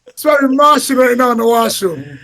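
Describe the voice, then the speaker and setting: Brash high-voiced man, hoarse and rowdy. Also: big pitch swings, fairly quick, sharp tone. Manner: brash, boastful, slangy. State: hoarse, lost his voice. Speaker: guest rapper on a live stream. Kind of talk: rowdy live stream banter.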